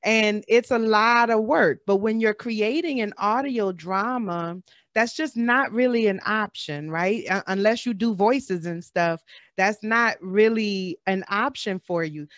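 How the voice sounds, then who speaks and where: A woman's voice: medium pitch, unhurried, a bit bright, no echo, studio quality. A woman hosting a casual panel discussion over a video call, chatty and informal. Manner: chatty, calls listeners "girl" and "y'all". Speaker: panel host.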